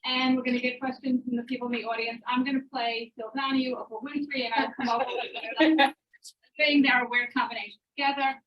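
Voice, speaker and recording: A woman with a high voice moderates a community meeting. Her delivery is informal and practical. She is recorded from a distance, with slightly dull sound. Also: steady tone, brisk. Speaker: moderator of a town hall. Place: indoor community meeting room. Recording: muffled, distant room microphone.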